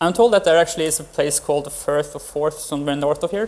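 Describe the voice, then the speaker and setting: A man speaks in a fairly high pitch with a Norwegian accent. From Norway. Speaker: conference speaker, front-end programmer. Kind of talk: conference talk. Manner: hesitant, many fillers.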